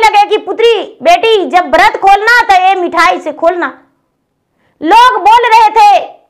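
Extremely high-pitched woman's voice at a very slow pace, with ordinary pitch variation over a quiet background. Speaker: religious storyteller. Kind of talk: devotional story narration.

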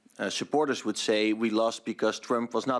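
With a Dutch accent, a man talks in fairly even intonation. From Netherlands. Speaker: member of parliament. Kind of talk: questioning at parliamentary hearing; committee hearing questions. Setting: parliamentary committee room. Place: meeting room. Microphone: podium.

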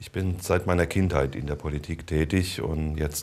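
This man's voice sits at a very deep, low pitch. He speaks at a moderate pace. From Palatinate, Germany; Germany. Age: 50s. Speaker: municipal mayor and candidate; municipal mayor, candidate. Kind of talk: candidate interview. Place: studio. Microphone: lapel.

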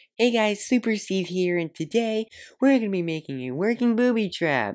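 Someone performs a put-on character voice at a fairly high pitch and a moderate pace. The recording is very clean, with a silent background. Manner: upbeat, YouTuber-style.

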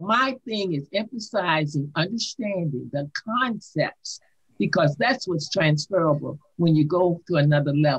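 A woman with an American accent speaks at a fairly slow pace, somewhat breathy, with a fairly low pitch. Her intonation is lively, and the background is quiet. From Hampton Roads, Virginia. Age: 80s+. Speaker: math teacher. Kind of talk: interview answer. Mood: warm, enthusiastic. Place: home room. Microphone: webcam.

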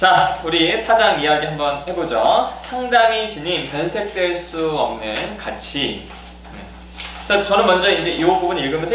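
Room echo can be heard, along with light background noise. The intonation is lively. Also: man. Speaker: psychological counselor leading a study group. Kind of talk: study group discussion. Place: meeting room. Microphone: camera far.

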